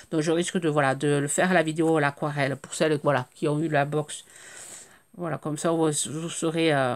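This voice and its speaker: A French woman with a slightly hoarse voice, chatting casually and hesitantly about her crafting purchases, full of fillers and restarts. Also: low-pitched. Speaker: crafting YouTuber. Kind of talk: casual haul show-and-tell.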